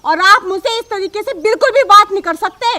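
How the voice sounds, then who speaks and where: A woman playing a sharp-tongued young police officer who is also a daughter-in-law. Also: extremely high pitch, fairly quick. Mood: stern. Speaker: police officer in a comedy telefilm.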